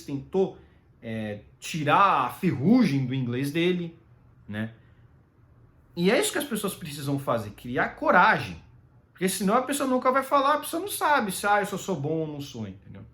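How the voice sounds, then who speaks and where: Brazilian man, fairly high and lively voice, loose rambling solo commentary. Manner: rambling, with many fillers and tag questions.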